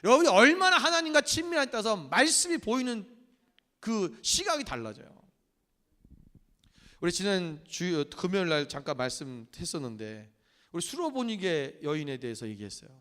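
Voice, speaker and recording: A male pastor preaching a sermon, animated and acting out the voices he quotes. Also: sits high, moderate pace. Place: church sanctuary. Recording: church hall with long reverb.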